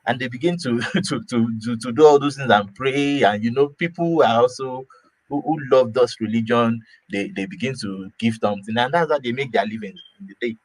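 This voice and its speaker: A man's voice: medium pitch, fairly quick, dry recording, low-quality recording. Dry-voiced Nigerian man musing aloud. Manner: repeats and restarts words, laughs mid-sentence. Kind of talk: casual opinion talk.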